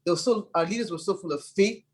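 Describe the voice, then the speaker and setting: A woman's voice: on the low side, quick pace, a little mellow, a little hiss or hum. A middle-aged woman, a church leader and former lawyer, earnestly recalling her early years in an interview answer. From Nigeria. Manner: earnest, enthusiastic, repeats words as she builds up.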